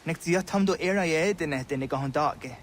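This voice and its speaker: An actor playing an agitated younger Native American villager in a video game cutscene. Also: male voice, on the high side, quick pace, slight background noise, natural voice. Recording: music behind the dialogue.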